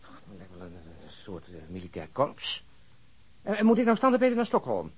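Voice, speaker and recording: A man playing an excitable, grumbling police detective in a radio drama, mocking and sardonic, with a husky voice. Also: on the low side, moderate pace, exaggerated voice. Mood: indignant, incredulous. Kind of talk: Dutch radio drama acting.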